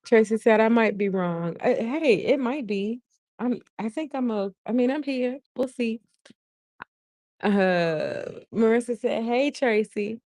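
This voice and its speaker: A woman in her forties, speaking, hosting a casual livestream. She talks softly to keep her voice down, reads viewer comments aloud and laughs often. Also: a little high, measured pace, no room sound, clean studio sound. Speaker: livestream host. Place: shared co-working space. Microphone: earphones mic.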